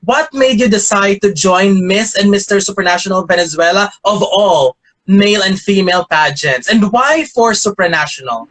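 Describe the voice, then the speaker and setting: A man's voice: sits high, normal speed, a bit bright, rough recording. A man hosting a pageant interview on a video call, enthusiastic and full of thanks and praise. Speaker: host, interviewer.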